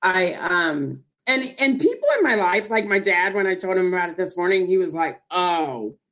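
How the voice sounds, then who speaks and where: A woman with a Southern US accent, hosting a casual chat show and telling a lively story. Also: on the low side, normal speed. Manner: animated storyteller acting out quoted dialogue. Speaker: podcast host.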